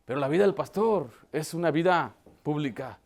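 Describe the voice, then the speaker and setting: A man's voice: a little high, lively intonation, normal speed, darkish tone. A middle-aged man preaching a sermon as a pastor, talking conversationally, acting out quotes and asking the congregation rhetorical questions.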